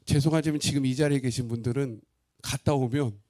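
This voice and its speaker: A man pastor preaching a sermon expressively, asking his congregation questions and swinging between loud and hushed. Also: mid-range voice, steady tone, a little fast.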